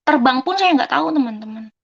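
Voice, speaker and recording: A young woman from Indonesia shares her personal testimony in an easy, conversational way. Her voice sits somewhat high, and she replays the dialogue of the people in her story as she goes. The recording is muffled and lo-fi. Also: lively intonation, a little fast, vocal fry. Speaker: testimony speaker.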